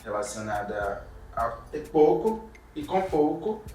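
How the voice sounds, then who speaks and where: A man's voice: medium pitch, sing-song, slow pace, darkish tone. A man with a Bahian Brazilian accent, introducing himself and his life for a documentary. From Salvador, Bahia, Brazil. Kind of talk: autobiographical documentary testimony. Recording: very echoey, distant mic, music behind.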